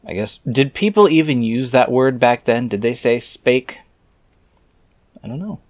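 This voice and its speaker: A man reading aloud casually, breaking off into halting, musing, skeptical and irreverent commentary. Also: mid-range voice, lively intonation, no echo.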